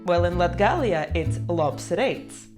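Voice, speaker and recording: A woman's voice: on the low side, animated, slow pace, darkish tone, faint music behind. A young woman with a Latvian accent, a Latvian native speaker, teaching a casual language lesson in a playful, chatty way with wry asides.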